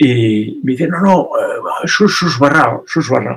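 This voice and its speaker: This man's voice has vocal fry. He is the only speaker described. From Spanish Morocco (Tangier, Ifni). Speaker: literary translator. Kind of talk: interview. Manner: halting, many repetitions and fillers.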